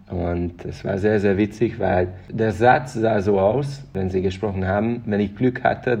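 A man's voice: low-pitched, gravelly, darkish tone, slightly rough. A man from Hungary, answering interview questions earnestly and sometimes repeating words as he searches for phrasing. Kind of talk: thoughtful personal interview answers.

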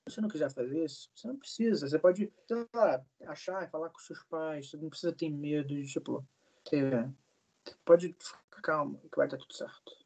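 A man's voice: fairly high pitch, a little fast, creaky, darkish tone, slightly rough. A man in his early twenties telling stories in a casual interview, rambling with lots of fillers and swearing. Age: 20s. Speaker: guest, singer.

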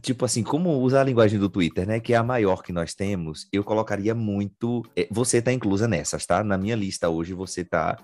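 A man's voice: on the low side, fairly quick, few pauses, darkish tone. A man from Bahia with a Bahian accent, hosting a podcast interview in a chatty style full of fillers and restarts. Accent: Bahian Portuguese. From Bahia, Northeast Brazil. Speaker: podcast host. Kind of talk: casual interview chat.

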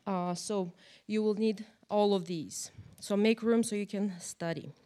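A woman's voice: mid-range voice, measured pace. A woman from Moldova, teaching a church Bible lesson to a group in a chatty way, often adding "right?". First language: Russian or Romanian. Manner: chatty, animated, tag questions. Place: church room, in front of a group.

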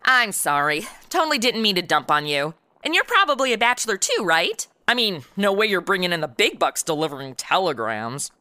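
Give me a sassy, lively modern twenty-something gal. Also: female voice, medium pitch, brisk, few pauses, no echo. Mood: chatty. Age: 20s. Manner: flippant, slangy, exasperated, valley-girl phrasing. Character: sassy modern twenty-something woman stuck in old radio noir. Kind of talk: comedic audio drama acting.

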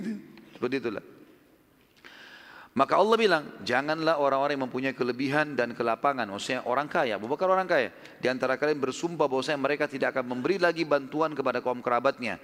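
Male preacher, middle pitch, lively storyteller, slow chanted recitation, reverberant hall. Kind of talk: Islamic sermon.

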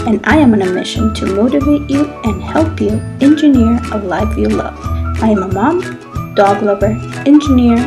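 A woman host reading the upbeat scripted intro of her podcast. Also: a little high. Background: intro music.

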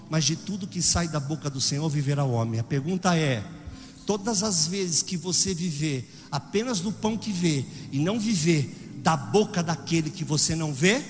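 A man preaching a sermon with a Brazilian Portuguese accent, swinging from loud exclamations to hushed storytelling. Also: on the high side, lively intonation, moderate pace, in a large hall, soft background music.

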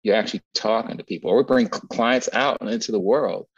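A man being interviewed as an agency strategist, telling stories in a blunt, animated way with lots of swearing and repeated words. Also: fairly low pitch, fast talker, slightly rough, muffled recording. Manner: animated storytelling, frequent profanity and repetitions. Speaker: guest, agency founder and strategist. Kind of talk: casual podcast interview.

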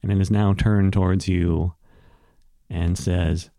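A man acting as game master, improvising narration and chatting casually, often pausing to find his words. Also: deep voice, flat delivery, warm tone, no room sound, clean studio sound. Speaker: game master and show host.

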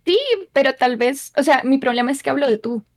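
A young woman from Costa Rica, a content creator, talking calmly in a casual chat. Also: sits high, fairly quick.

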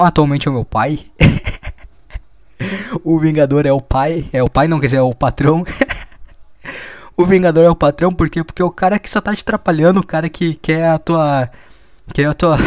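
A man's voice: fairly high pitch, darkish tone, no echo, studio quality. A young man, giving a rambling, profane and sardonic casual monologue.

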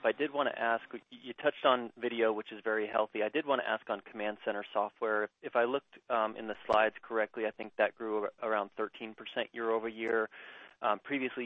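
A man's voice: on the low side, dry recording. A man speaking as a financial analyst, politely putting questions to executives on an earnings call. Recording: dry, narrow phone line.

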